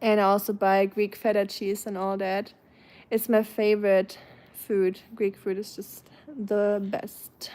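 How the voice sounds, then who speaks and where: A woman from Germany's Black Forest with a German accent, chatting casually with viewers on a livestream, warm and chatty with fillers and soft laughs, her voice trailing quietly at phrase ends. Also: mid-range voice, level tone, unhurried. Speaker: livestream host. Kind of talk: casual chat, reading viewer comments aloud.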